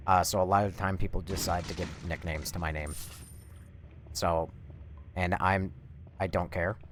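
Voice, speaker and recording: A man doing casual live game commentary, rambling and swearing as he thinks out loud. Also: sits low, flat delivery, normal speed. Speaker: live streamer. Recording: faint background noise.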